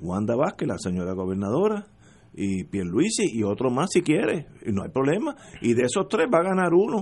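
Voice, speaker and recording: Over a quiet background, a man speaks at a moderate pace. His fairly high pitch makes very wide swings. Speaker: radio host, former intelligence officer. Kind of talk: political panel discussion.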